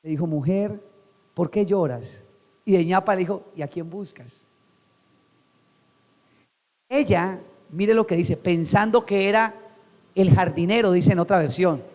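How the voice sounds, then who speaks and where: High-voiced animated male preacher. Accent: Colombian Spanish. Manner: animated preaching, quotes scripture in dramatic voices. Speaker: pastor. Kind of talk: sermon. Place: church sanctuary. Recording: long church reverb.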